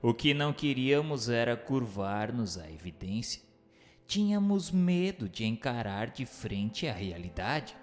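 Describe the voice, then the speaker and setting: An actor narrating a radio drama as a reflective novelist, in a formal, literary and measured way. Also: male voice, medium pitch, very animated. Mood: sombre. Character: male first-person narrator, a reflective doomed Portuguese novelist. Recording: long reverb, faint music behind.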